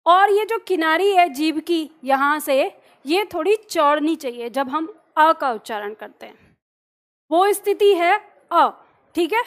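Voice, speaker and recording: A woman's voice: sits high, animated, unhurried, fairly bright tone. A woman teacher patiently explaining a lesson to her students, often checking that they follow along. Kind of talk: classroom lesson.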